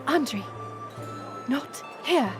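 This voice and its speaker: Woman playing a high-voiced, controlling middle-aged queen mother. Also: animated, full character voice. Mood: stern, exasperated. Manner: commanding, formal, measured. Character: proud, controlling queen mother, weary but regal. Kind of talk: dramatic audio roleplay acting. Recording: music and crowd murmur behind. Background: music and banquet crowd.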